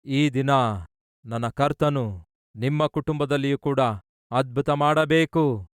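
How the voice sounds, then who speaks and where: Male pastor preaching, smooth and resonant, dry close-mic sound, asks and answers his own questions. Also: mid-range voice, steady tone, slow, dry recording. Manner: asks the listeners questions and answers them himself; builds long lists of repeated phrases. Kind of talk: sermon.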